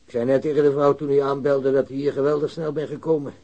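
Man playing a husky, mellow homely old father. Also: mid-range voice, level tone, fast, highs cut off, natural voice. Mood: chatty, eager. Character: homely, chatty older father receiving a police visitor. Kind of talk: Dutch radio drama dialogue.

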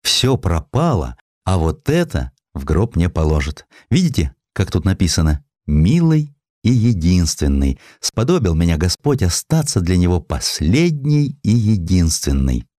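A man's voice: low-pitched, big pitch swings, a little slow, mellow, dry recording, clean studio sound, exaggerated voice. A man voicing a frail, humble, pious elderly widow with folksy old-fashioned speech in an audiobook. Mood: wistful, proud.

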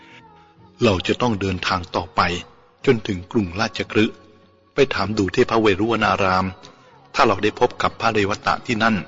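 A man's voice: lowish voice, fairly even intonation, a bit bright, husky, in a large hall. A man voicing an anxious, protective elderly Brahmin uncle in an audiobook reading. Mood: firm. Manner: slow, shaky, then firm and earnest. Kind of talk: audiobook character voice. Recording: dull lo-fi with faint music.

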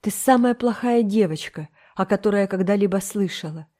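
A woman's voice: mid-range voice, a little fast, dark tone, close to an everyday voice. A woman voicing a stern, strict older spinster in an audiobook, speaking in a firm, scolding, clipped way.

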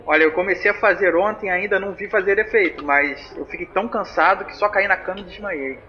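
Brief: a man as an apologetic young man on a call, a bit high-pitched, dull muffled sound. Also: quick pace, natural voice. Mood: sheepish. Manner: sheepish, apologetic. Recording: muffled intercepted call audio.

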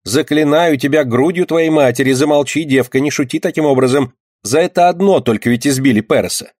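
A man's voice: on the high side, brisk, darkish tone, no room sound, studio quality, voice pushed up, close to an everyday voice. A man voicing a sly, gossiping male barber who taunts in a sing-song way. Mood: pleading.

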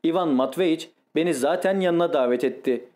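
A man narrating a novel in the first person, in a steady, measured storytelling manner. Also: a little high. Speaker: audiobook narrator.

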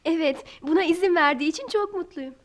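Very high, plaintive child, radio drama. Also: female voice, fast. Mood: shy. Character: gentle, sad village girl child. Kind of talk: radio theatre acting.

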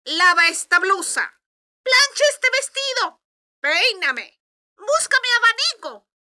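Bratty mean young stepsister from a kids storybook, really shrill, loud and bossy. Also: female voice, sing-song, takes it slowly, full character voice. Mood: bossy, demanding. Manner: barking orders, mocking. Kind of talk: children's storybook record.

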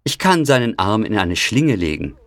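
A man voicing a kindly, mysterious old uncle who speaks gently and soothingly. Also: on the low side, big pitch swings, moderate pace, no echo.

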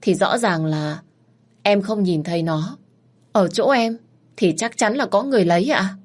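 A spoiled, scheming young mistress protesting in an indignant, insistent tone, as a woman narrator voices her. Storybook delivery, pitched somewhat above the narrator's own low voice. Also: a little slow, a little mellow, lightly acted.

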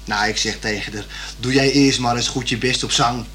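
A man playing a plain-spoken, stubborn but good-natured young working-class man in a radio play, talking haltingly and colloquially. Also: mid-range voice, fairly even intonation, a bit bright, a little hiss or hum, lightly acted. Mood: sceptical. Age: young adult. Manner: halting, colloquial, repeating himself.

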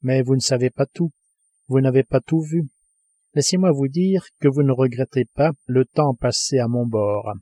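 Brief: male reader as cold, grave submarine commander, dark tone, audiobook. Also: mid-range voice, no echo, natural voice. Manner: grave, measured. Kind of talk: audiobook reading.

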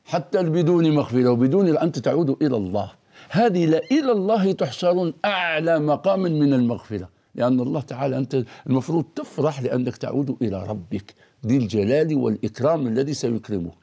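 A man's voice: mid-range voice, lively intonation, fast, warm tone, slightly rough. A man explaining Quranic grammar in a teacherly manner, quoting verses and quizzing his co-host. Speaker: scholar of Quranic language. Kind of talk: explanatory religious lesson in dialogue.

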